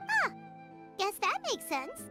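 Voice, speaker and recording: A woman voicing a small, excitable, childlike fairy companion with a squeaky voice in a video game. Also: slow pace, full character voice. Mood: impressed, curious. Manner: refers to self in third person. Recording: prominent background music.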